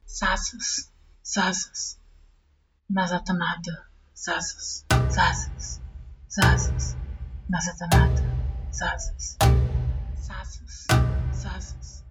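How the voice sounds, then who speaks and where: A woman playing a bold occultist who chants a demon summoning in a hushed, repetitive way. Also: fairly low pitch, flat delivery, very slow, pauses often. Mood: hushed chanting. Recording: muffled, under loud music.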